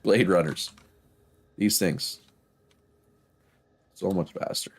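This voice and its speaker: A man with a very low, gravelly voice talks his way through a building game, thinking aloud and correcting himself. His nose is a bit stuffed up, and he chuckles now and then. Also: takes it slowly. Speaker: streamer playing a factory-building game. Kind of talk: casual gameplay commentary.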